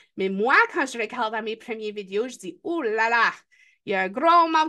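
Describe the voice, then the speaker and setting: A woman's fairly high voice has a bright, sharp tone and ordinary pitch variation. The background is quiet. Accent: Ontario. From Franco-Ontario, Sudbury. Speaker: early childhood content creator. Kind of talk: webinar presentation. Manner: hesitant, many fillers.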